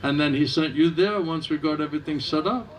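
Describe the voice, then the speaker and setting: A man, a monk, talks in a gentle, conversational way in a temple hall, with a slightly raised voice. He often echoes questions back before he answers them. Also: fairly high pitch, a little fast, a little hiss or hum. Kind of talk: informal spiritual talk.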